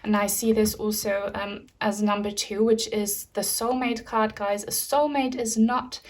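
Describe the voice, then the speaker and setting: Chatty tarot reader, German native speaker. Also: female voice, mid-range voice, fairly even intonation, measured pace. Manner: chatty, many fillers, addresses viewers as guys. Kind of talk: casual pick-a-card tarot reading.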